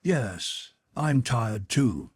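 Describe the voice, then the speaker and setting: A man's voice: mid-range voice, lively intonation, very slow, husky, dry recording, full character voice. A man reading the part of a young nobleman gambler, proud but desperate, questioning himself in anxious, pleading inner talk. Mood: strained.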